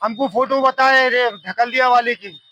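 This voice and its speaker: High, flat-voiced older man. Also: no echo, highs cut off. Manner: pleading, halting. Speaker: victim's father. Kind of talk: distressed street interview.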